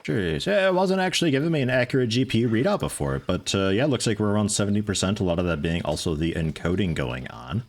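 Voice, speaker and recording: Low, soothing gaming streamer man. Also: animated, fast, hardly any pauses. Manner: mellow, soothing, rambling chat. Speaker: gaming livestreamer. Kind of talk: casual livestream commentary.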